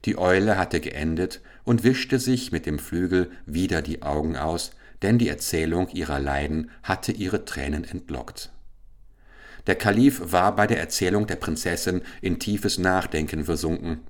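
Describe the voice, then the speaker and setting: A man narrating a fairy tale for an audiobook in a calm, measured storytelling tone. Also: low-pitched.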